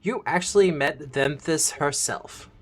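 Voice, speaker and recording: A man's voice: fairly high pitch, measured pace, fairly bright tone, soft background music. A man as game master, recapping the last tabletop session in a chatty way with laughing asides.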